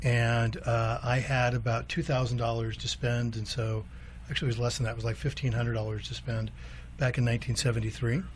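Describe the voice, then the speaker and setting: A man's voice: medium pitch, a little fast. Older guy in his 60s, car broker on the radio, easygoing storytelling, medium voice, faint hiss. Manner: relaxed storytelling, fillers and restarts. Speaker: in-studio guest, car broker. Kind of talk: casual interview talk. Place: radio studio.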